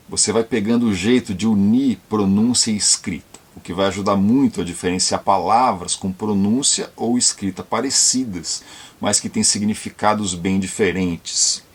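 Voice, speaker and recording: A man from São Paulo with a São Paulo Brazilian accent, casually explaining tips for learning English and slowing down to model pronunciations. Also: on the low side, husky. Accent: Brazilian Portuguese, São Paulo. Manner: slow, deliberate when modeling pronunciation. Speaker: YouTube channel presenter.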